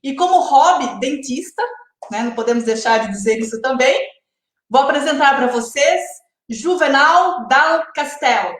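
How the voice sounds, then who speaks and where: Woman, live-stream host, chatty, high-pitched, echoey room. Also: lively intonation, measured pace, fairly bright tone. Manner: chatty, frequent tag questions. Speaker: host of a live interview series. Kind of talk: casual live-stream hosting.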